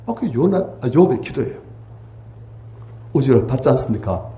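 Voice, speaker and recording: A man preaching a revival sermon in a church sanctuary. His voice is dark and mellow, with a lively, swooping pitch. He swings between loud, pleading cries and hushed near-whispers. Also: moderate pace. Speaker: pastor.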